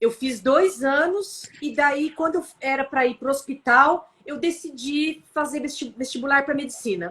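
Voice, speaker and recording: This woman's voice is high-pitched, bright and sharp, with ordinary pitch variation. Her pace is fairly slow, with hardly any pauses. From interior of São Paulo state, Brazil (Ourinhos). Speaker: doctor. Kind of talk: casual interview.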